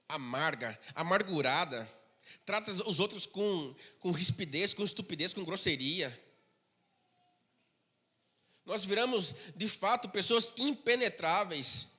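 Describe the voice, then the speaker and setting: Male pastor, sermon, high and bright tone, conversational storyteller, reverberant hall. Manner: conversational storytelling, drops to a low murmur for asides.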